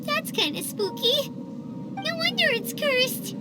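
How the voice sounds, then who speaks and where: A woman's voice: very high voice, very animated, slow pace, exaggerated voice. A woman voicing a small, chatty, nervous fairy-like companion in a video game who speaks of herself in the third person. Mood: curious. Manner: talks of herself in third person, skeptical remarks. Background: game music.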